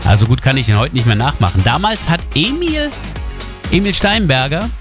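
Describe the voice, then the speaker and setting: A male radio host giving traffic and weather reports in a chatty way, speaking directly to his listeners from a studio. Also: on the high side. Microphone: studio microphone. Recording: music bed under the voice. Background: music bed under the talk.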